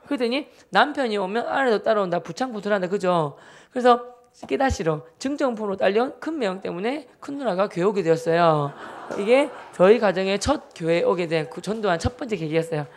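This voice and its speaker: A man in his thirties with a Gyeongsang accent, a church deacon giving a lively testimony talk and acting out his family. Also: high voice, a little fast. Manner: animated storyteller who acts out family members.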